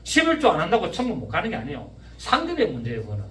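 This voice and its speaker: A pastor in his fifties with a Gyeongsang accent, preaching a sermon, often shouting and firing questions at his congregation. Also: fairly high pitch, huge pitch swings, very fast. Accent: Gyeongsang Korean. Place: church sanctuary. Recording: echoey church room, mic at a distance.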